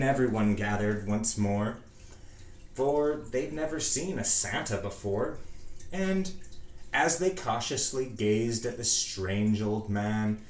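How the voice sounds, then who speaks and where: A man reads a rhyming storybook aloud in a mid-range voice. He takes it slowly, pausing for theatrical effect. The recording is echoey, with faint noise behind him. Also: medium pitch. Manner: measured, theatrical phrasing with pauses. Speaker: storybook reader. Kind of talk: dramatic reading of a rhyming storybook.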